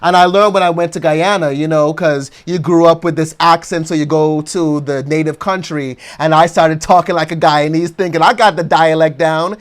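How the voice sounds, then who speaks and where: An American man preaching a motivational sermon, leading the congregation through slow, emphatic affirmations. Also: on the high side, steady tone, clear, resonant tone. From United States.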